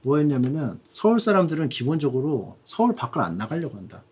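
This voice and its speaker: A Korean man in his forties hosting a casual studio chat, telling stories in an animated, bantering way. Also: on the high side, quick pace, a little hiss or hum. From South Korea. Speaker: host.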